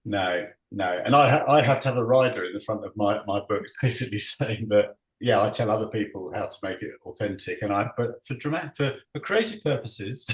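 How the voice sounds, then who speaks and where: Heard over a video call with a roomy echo, a man chairs an online panel discussion in a lowish, animated voice at a brisk pace. He stumbles over his words, repeats himself a lot, and laughs frequently.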